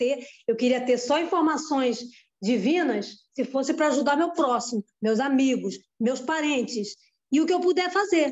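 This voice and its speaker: A woman speaks at a high pitch. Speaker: student of the course sharing testimony. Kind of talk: testimony. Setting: video call.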